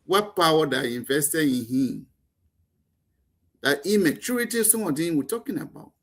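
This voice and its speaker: A man's voice: on the high side, animated, normal speed. A man with a Liberian accent, speaking as a panel guest in a heated political talk show, impassioned and emphatic with stumbling restarts.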